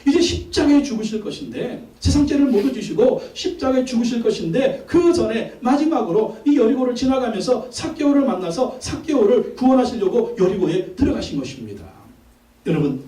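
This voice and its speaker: A male pastor preaching in a high, lively voice that swings widely as he calls out to his congregation. His tone is mellow, and he sounds set back from the mic, with the church hall echoing around him. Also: fairly quick. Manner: emphatic, acts out quoted voices, calls out to the congregation. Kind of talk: sermon. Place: church sanctuary. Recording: echoey church from far off.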